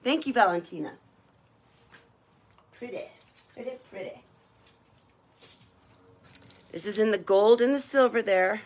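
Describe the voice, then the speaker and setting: Talking a little fast at an ordinary middle pitch, a woman hosts a live online jewelry party. She chats casually and gushes over the colors and styles, praising every piece she sells.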